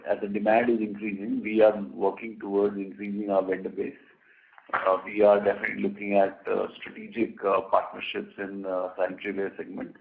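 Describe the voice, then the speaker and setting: A man speaking as a company executive, answering questions on an earnings call in careful, halting phrases. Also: fairly low pitch, creaky. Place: telephone conference call. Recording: narrowband phone line.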